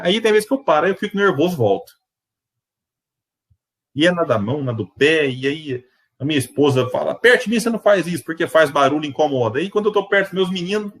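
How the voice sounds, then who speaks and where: Animated high-voiced male lecturer. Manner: animated, tells anecdotes and voices the characters in quotes; conversational, reflective asides. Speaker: spiritist lecturer. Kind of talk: virtual religious lecture with storytelling.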